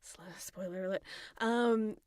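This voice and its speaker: A woman's voice: medium pitch, steady tone, measured pace, darkish tone, dry recording. Chatty young woman, dry close sound. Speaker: podcast co-host. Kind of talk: casual chat about films and games.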